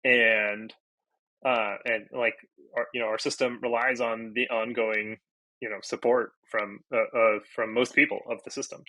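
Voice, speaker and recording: A Brazilian man whose native language is Portuguese guests on a podcast, chatting casually and thinking aloud with frequent fillers and restarts. His medium-pitched voice is level, unhurried, bright and forceful. The low-quality recording has no room sound.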